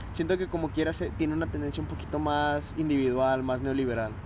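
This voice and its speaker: A man talks at a fairly quick pace with a medium pitch. Audible room echo surrounds his voice. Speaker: sociology student. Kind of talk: casual chat.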